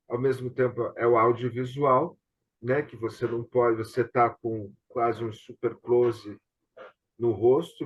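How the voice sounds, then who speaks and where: A Brazilian man hosting a casual online discussion, explaining things and often checking for agreement, recorded over a video call. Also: medium pitch. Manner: explanatory, often seeking agreement with tag questions. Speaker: host and theatre director. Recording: dull, lo-fi video-call audio.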